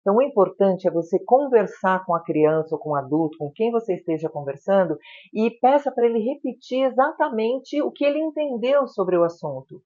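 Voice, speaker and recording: A woman psychologist, a guest on a talk show, gives advice in a calm, measured way. Her voice sits mid-range for a woman. The sound is slightly dull and muffled. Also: mid-range voice. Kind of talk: explaining advice in a chat.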